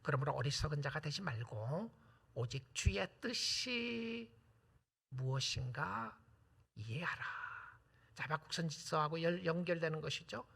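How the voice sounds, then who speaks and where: A man pastor preaching a sermon, swinging from hushed whispered asides to loud, emphatic appeals and dropping in English phrases. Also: fairly high pitch, lively intonation, a little slow, gravelly, husky.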